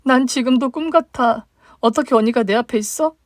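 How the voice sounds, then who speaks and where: A woman's voice: fairly high pitch, brisk, no room sound, studio quality, close to an everyday voice. A woman voicing a hurt young single mother, the younger sister, speaking plaintively in a dramatized story. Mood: shocked, tearful. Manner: plaintive, emotional questioning.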